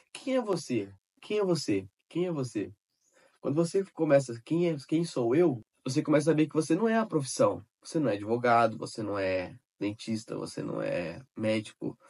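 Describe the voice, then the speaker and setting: Man, husky voice, casual direct advice, repeats himself, checks you understood. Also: mid-range voice, darkish tone. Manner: informal, repeats himself, asks listener if they understood. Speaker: digital marketing creator.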